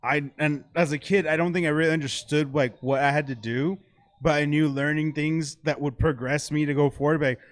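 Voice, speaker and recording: A man's voice: fairly high pitch, steady tone, brisk. A man in his thirties trading gaming memories as a podcast co-host. He talks in loose, rambling bursts, full of filler and curse words. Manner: rambling, swearing, lots of "like". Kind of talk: casual chat.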